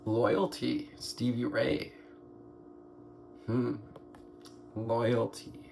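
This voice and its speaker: Slow gravelly man reading tarot. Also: medium pitch, level tone, a little mellow, a little hiss or hum. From United States. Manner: slow, meandering, musing aloud with pauses and throat clearing. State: hoarse, scratchy throat. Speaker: tarot reader. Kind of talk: slow spiritual card reading.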